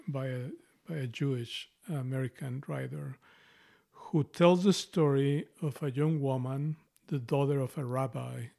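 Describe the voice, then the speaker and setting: Co-host, middle-aged man, strong Mexican accent, creaky texture, mid pitch, talks books thoughtfully. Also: a little mellow. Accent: Mexican Spanish. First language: Spanish. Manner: thoughtful, restarts phrases often. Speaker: podcast co-host. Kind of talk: casual book discussion.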